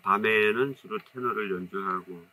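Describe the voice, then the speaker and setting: A man in his fifties who plays saxophone, originally from Jecheon, North Chungcheong, Korea, chats through stories in a laid-back, rambling, modest manner, his Jecheon accent strong. His pitch is fairly low and his speed normal, with background noise. It is a casual interview in an indoor curtained studio, seated two-shot, mic off camera.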